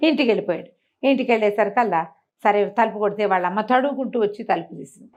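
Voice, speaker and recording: A woman's voice: medium pitch, fast, darkish tone, lo-fi sound. A woman tells a folk tale conversationally, repeating phrases and slipping in small explanatory asides. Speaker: storyteller.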